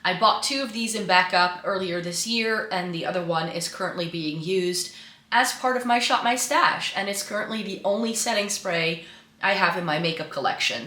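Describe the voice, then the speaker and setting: Recorded on a distant camera mic in an echoey home room near a Christmas tree, this woman from the Netherlands is a beauty vlogger chatting casually to her viewers. She has a medium-pitched, bright voice that flu has made congested and slightly rough, and she often says um and starts over.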